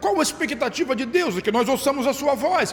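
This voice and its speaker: With an animated tone and lively intonation, a man speaks at a fairly quick pace and an extremely high pitch. Noticeable background noise and audible room echo fill the recording. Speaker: preacher. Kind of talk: sermon.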